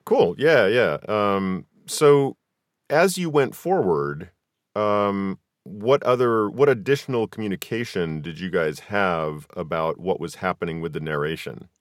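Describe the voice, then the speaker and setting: A man's voice: low-pitched, expressive, measured pace, no echo, clean studio sound. A man hosting a podcast, asking questions in a casual, conversational interviewing style.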